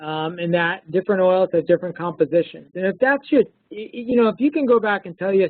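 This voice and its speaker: This man has a Rhode Island accent. His voice is high-pitched. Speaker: scientist. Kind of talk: webinar lecture. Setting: online webinar. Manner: halting, many fillers and repeats.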